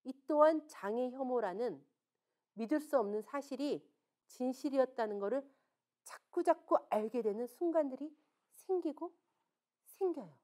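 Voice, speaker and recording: A woman's voice: high voice, animated, moderate pace, long pauses, a little mellow. A woman speaking at a seminar, telling stories frankly and asking the audience rhetorical questions with emphasis. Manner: frank, conversational storytelling. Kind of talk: seminar lecture.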